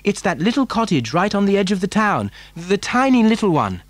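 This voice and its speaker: Man as an eager, high-voiced little boy. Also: big pitch swings, a little fast, dry recording. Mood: earnest. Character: eager, earnest little boy, wide-eyed and polite.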